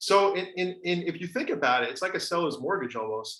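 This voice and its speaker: Lively in intonation, a man with a New Jersey accent speaks in a bright, sharp tone. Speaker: investment fund presenter. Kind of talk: webinar presentation. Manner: fast talker.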